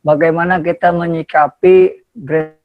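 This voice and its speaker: A man with a high voice asks a formal question over a remote call, hesitating with many filler sounds. His audio glitches and breaks up from a weak connection. The sound is dry, with no room around it. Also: little pitch movement, unhurried, dry recording, dull audio. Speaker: participant asking a question. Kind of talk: formal question in an online dialogue. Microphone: remote video call.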